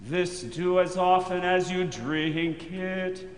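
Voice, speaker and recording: High, slow-chanting man in cathedral echo. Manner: slow, measured, solemn intoning. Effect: cathedral-like echo of a large chapel. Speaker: chapel service officiant. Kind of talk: chanting liturgy. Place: large chapel indoors. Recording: echoey chapel with long reverb, faint ambience.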